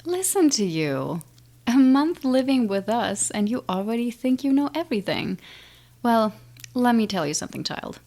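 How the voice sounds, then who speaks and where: A woman's voice: a little high, sing-song, moderate pace, a little mellow. A woman playing an ancient, menacing siren in an audio drama, taunting and condescending with a theatrical drawl. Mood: threatening. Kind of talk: audio drama villain acting.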